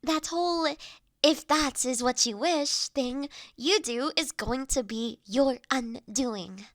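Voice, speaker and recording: A woman acts out a gentle young lady of the manor in an intimate roleplay audio drama. Her voice is high and she takes her time over formal, measured phrases, earnest and caring. The sound is close and very dry. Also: no echo. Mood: gently persuasive.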